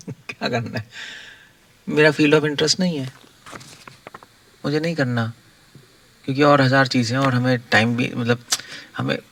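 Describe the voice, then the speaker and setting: A man's voice: mid-range voice, creaky, a bit bright, breathy edge, recorded from a distance. A monk giving informal spiritual guidance in a conversational way, repeating his points and chuckling now and then.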